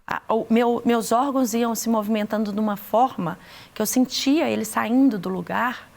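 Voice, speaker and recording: A middle-aged Brazilian woman recounts her story with a gravelly, fry-edged voice set a little high. She speaks earnestly and haltingly, restarting and repeating words as she testifies to her faith in an interview. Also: a little mellow. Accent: Brazilian Portuguese. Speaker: interview guest giving testimony.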